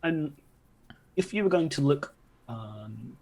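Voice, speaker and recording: A man's voice: on the high side, animated, slow pace, creaky, a little mellow, husky. A young man casually improvising narration as game master of a tabletop game, explaining things informally over a video call. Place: indoor room at home, on a video call.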